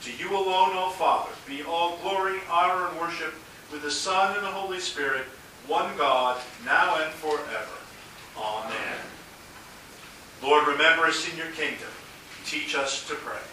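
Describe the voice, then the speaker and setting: A man serving as pastor, reciting a solemn liturgical prayer at a measured pace in a large church with a cathedral echo. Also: fairly high pitch, bright, forceful tone. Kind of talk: liturgical prayer and words of institution. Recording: cathedral echo, distant mic, faint hiss.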